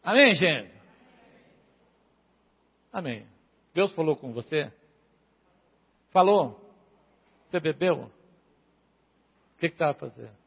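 Speaking to a congregation in a dull, reverberant hall, a pastor delivers a chatty, informal sermon and calls on people by name. His voice is a little high and animated, with vocal fry and a breathy edge, and he takes it slowly with frequent pauses.

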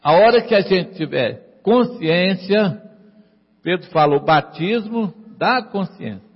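A man's voice: high-pitched, animated, takes it slowly, husky, long reverb tail, highs cut off. A man preaching a sermon in a church. He repeats his lines for emphasis and keeps asking the congregation "amen?". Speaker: pastor.

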